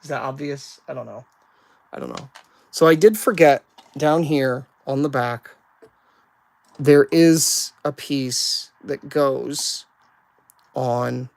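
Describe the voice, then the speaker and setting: An unhurried speaker with a gravelly, creaky voice talks through a build on a live stream. The delivery rambles and thinks aloud, with self-deprecating asides between steps. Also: medium pitch, steady tone, a little mellow. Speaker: toy builder giving build instructions.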